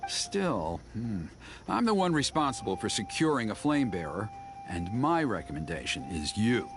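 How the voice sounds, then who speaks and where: An earnest tribal mentor. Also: male voice, on the low side, sing-song, moderate pace. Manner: earnest, instructive, patient. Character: tribal man, earnest mentor and guide of rituals. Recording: game audio with music.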